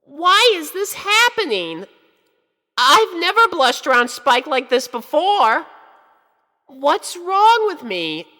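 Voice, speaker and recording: A woman's voice: high voice, very animated, slow, bright, forceful tone, long reverb tail, pitched above the performer's own voice, full character voice. A woman voicing an anxious, lovestruck young pony filly, speaking in an earnest, hesitant and emotional way. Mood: anxious, wondering.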